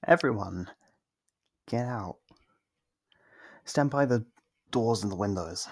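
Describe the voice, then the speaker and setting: A performer voicing a teasing, condescending, possessive vampire in an ASMR roleplay, slow and smug with a husky voice. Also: medium pitch, darkish tone, no echo, studio quality. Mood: gloating, menacing.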